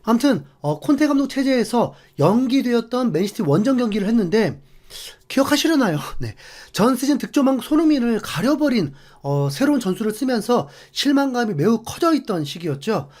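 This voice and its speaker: A man's voice: extremely high pitch, brisk. A man hosting a football channel, narrating a scripted match commentary with many fillers. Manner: animated, filler-heavy explanatory talk. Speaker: sports channel host.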